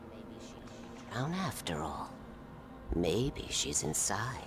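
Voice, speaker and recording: Through loud background noise, a man performs a put-on character voice at a fairly low pitch and a very slow pace. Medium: video game. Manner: cold, manipulative.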